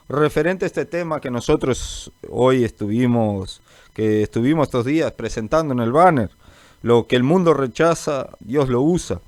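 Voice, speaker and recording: Chatty radio preacher, dry sound. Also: male voice, mid-range voice, no room sound. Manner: chatty, greets listeners by name, calls them brother; informal, rambling, many fillers. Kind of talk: live call-in gospel radio chat.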